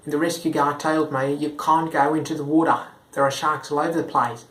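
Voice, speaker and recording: A man's voice: on the high side, little pitch movement, a little fast, a bit bright, lightly acted. A young man imitating a carefree man with an Australian accent who tells a tall tale in a laid-back way. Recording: echoey room.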